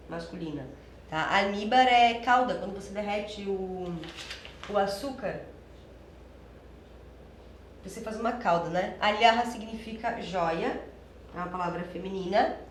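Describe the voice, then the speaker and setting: A woman's voice: medium pitch, measured pace, roomy sound, slight background noise. A young adult woman teaching Spanish for an exam, explaining step by step in a chatty way and checking in with her students often. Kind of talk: exam-prep lesson.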